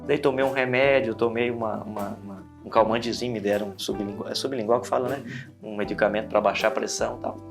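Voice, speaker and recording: A man's voice: on the low side, fast, gravelly, over music. A Brazilian man, a pastor, telling stories in a casual podcast chat and acting out the voices of the people in them. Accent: Brazilian Portuguese. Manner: animated, acts out voices in his stories. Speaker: pastor, guest.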